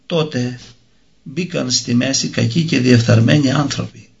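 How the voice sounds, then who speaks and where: A man tells a religious story in a slow, measured reading. His voice is gravelly, at an ordinary middle pitch. The recording sounds dull and lo-fi. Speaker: narrator.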